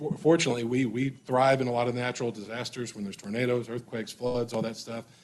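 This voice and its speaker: A man with an American accent speaks at a very fast pace over noticeable background noise. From southeast Missouri (Malden). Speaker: warehouse manager presenting to a task force. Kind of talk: meeting presentation. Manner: halting, many repetitions and fillers.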